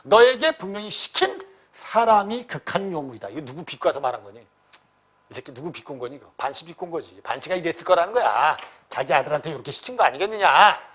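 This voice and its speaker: A man tutoring students through a classical novel passage, talking in a blunt, slangy way and often checking that they follow. His voice sits high for a man and swings widely in pitch as he explains. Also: quick pace, husky. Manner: animated, blunt, slangy teacher voice with frequent check-ins to students. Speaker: Korean literature tutor.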